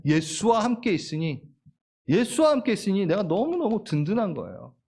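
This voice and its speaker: A middle-aged male pastor delivering a sermon in a fairly high voice that swings widely in pitch. He is animated and playful, slipping into little acted-out quotes and laughing along with his own jokes. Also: moderate pace, creaky, husky.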